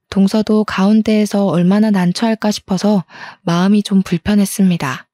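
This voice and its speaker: Female narrator for a scripted first-person story; steady, even telling, mellow voice, dry recording. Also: medium pitch, no room sound.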